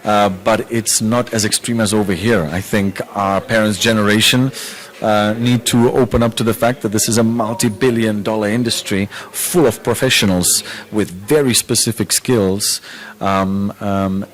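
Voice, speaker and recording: A man from the Czech Republic, a music manager, answering interview questions in a relaxed, thoughtful way with frequent fillers. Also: lowish voice, moderate pace.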